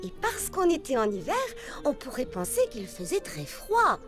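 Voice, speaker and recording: Very high, lively cartoon storyteller. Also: female voice, normal speed, music in the background. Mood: suspenseful. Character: patient, playful female storyteller reading her own book.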